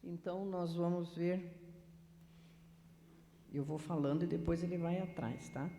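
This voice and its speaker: A woman from Curitiba with a Curitiba accent, a guest missionary giving a chatty, relaxed church talk while fumbling with her slides. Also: lowish voice, measured pace. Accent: Curitiba Brazilian Portuguese. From Curitiba, Brazil. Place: church sanctuary. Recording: hall reverb, faint noise, from the mic.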